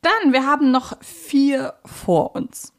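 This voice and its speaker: A woman's voice: high-pitched, expressive, takes it slowly. A woman with a German accent, hosting a fan podcast in an enthusiastic, opinionated, conversational way. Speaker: podcast host.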